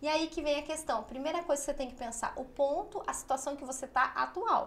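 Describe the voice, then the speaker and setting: Noticeable noise sits under a woman whose intonation stays fairly level. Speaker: communication mentor and former TV presenter.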